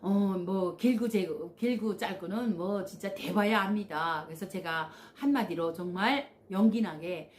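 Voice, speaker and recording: A woman's voice: mid-range voice, unhurried, few pauses, slight background noise. A woman from Korea, telling a personal story on her own channel. She talks animatedly, acts out the voices of people she quotes, and often slips in "yes" and "uh" as fillers. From North Korea. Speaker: channel host.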